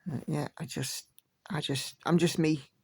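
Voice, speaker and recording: A woman chatting slowly and gently from home while she stitches, like a vlogger talking along with her work. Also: low-pitched, vocal fry, husky, no echo, clean studio sound. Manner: slow, gentle, relaxed chatter. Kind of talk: casual chat while stitching.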